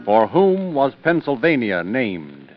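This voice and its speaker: A man's voice: medium pitch, big pitch swings, takes it slowly. Male radio narrator over music. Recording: lo-fi old radio transcription with music underneath.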